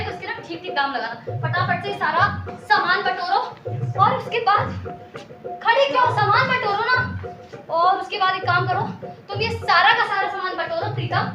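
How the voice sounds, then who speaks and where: A woman playing a bossy, chatty young daughter who rambles and orders people about, on a theatre stage. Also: extremely high pitch. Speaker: bride-to-be. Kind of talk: stage comedy acting. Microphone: distant stage mic. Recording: echoey theatre from far off, music.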